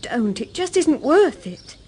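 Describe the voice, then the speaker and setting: An actress playing a worried, evasive young nightclub hostess in a radio drama, with a British accent. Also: female voice, high-pitched, big pitch swings, slow, darkish tone, slight background noise, heavily acted. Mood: earnest warning.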